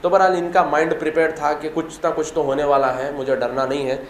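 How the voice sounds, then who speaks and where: A man's voice: fairly high pitch, level tone, fast, a little hiss or hum. Emphatic male religious storyteller, echoey. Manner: emphatic, repetitive, rhetorical questions. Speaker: religious speaker. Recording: echoey room, faint ambience.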